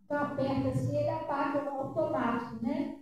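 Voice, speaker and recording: A woman's voice: sits high, fairly even intonation, fast talker, a crowd in the background. An older woman pastor giving a conversational sermon, often asking the congregation questions. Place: church hall. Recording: echoey hall, distant mic, noisy.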